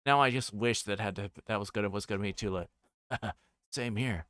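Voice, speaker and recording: A man's voice: lowish voice, a little fast, a bit bright, dry recording. A man livestreaming a visual novel, reading the story aloud as narration with his own asides and voicing the dialogue. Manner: voices characters' dialogue while reading.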